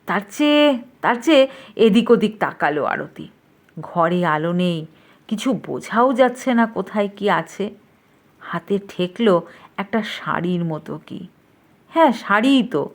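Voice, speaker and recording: A woman narrating a short story aloud, lively, lifting her voice for the characters. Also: medium pitch, unhurried, pauses often. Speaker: story reader.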